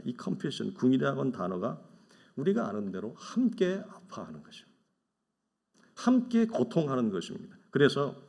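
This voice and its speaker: Lively, animated Korean pastor preaching. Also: male voice, medium pitch, gravelly. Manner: conversational preaching with rhetorical questions; acts out quoted voices of envious people. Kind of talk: sermon.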